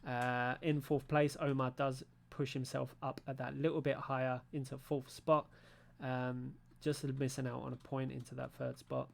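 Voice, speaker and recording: A man from Britain hosting a league stream recap in a casual, rambling way, full of fillers and restarts. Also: gravelly. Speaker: league show host. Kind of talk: casual stream wrap-up commentary. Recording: low-volume audio from his end.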